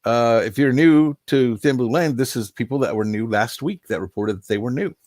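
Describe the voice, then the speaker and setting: In a dry, clean studio recording, an older man with a medium-pitched, darkish voice hosts a casual live stream at a moderate pace. Allergies make him a little nasal as he rambles folksily, reads viewer names and adds chuckling asides.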